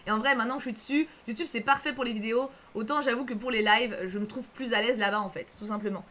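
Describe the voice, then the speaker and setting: A woman with a slightly high, fairly bright voice talks fast while streaming live. She chats casually with viewers, reading the chat aloud, reassuring them and repeating herself, and her speech is full of fillers.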